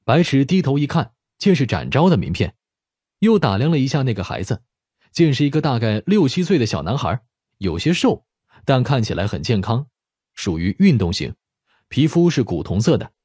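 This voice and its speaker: Lively husky male audiobook narrator. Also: medium pitch, normal speed, dry recording, studio quality. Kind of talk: scripted story narration.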